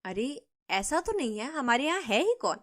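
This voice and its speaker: A woman voicing a gentle, worried older mother-in-law who answers softly and defensively in a cartoon story. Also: high voice, sing-song, normal speed.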